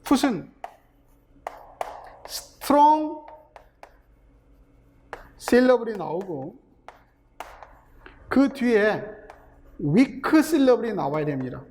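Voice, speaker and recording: This English linguistics instructor speaks in a high, sing-song, slightly mellow voice, extremely slowly and with frequent pauses. In an exam-prep lecture for a teaching exam, he explains linguistics step by step, asks rhetorical questions and uses terminology. A long hall reverb colors the audio.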